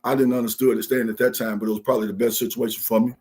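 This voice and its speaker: A man's voice: mid-range voice, little pitch movement, racing, a little mellow, slight background noise. A man from Mississippi with a Southern Black American accent, telling stories casually in a folksy, emphatic way, punctuating his phrases with "man.". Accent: Southern Black American, country Mississippi drawl. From Mississippi, USA. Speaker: guest, former college football player. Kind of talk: casual storytelling in an interview.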